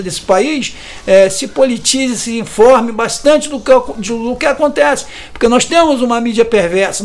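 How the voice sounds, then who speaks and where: A man, giving an indignant interview testimony and often ending sentences with a question tag. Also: extremely high pitch. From Brazil. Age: 50s. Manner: hesitant restarts. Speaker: community resident interviewed about evictions.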